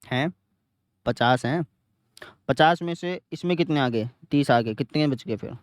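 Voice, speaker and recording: A man's voice: medium pitch, measured pace, no echo. Man teaching math step by step, dry close sound. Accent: Hindi-speaking north India. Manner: repetitive, explains step by step, asks questions and answers himself. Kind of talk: recorded math lesson.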